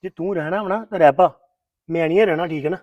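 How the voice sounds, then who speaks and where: An actor playing an impatient young husband who insists on going home in a family drama. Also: male voice, fairly high pitch, fast, darkish tone, no room sound, highs cut off, natural voice. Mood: insisting. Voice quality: insistent, grumbling. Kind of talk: Punjabi family drama acting.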